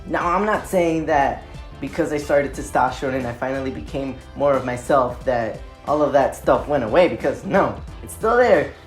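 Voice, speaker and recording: A man's voice: medium pitch, normal speed, faint music behind. A young trans man talking casually and reflectively in a vlog update, with many "like" and "um" fillers. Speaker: vlogger.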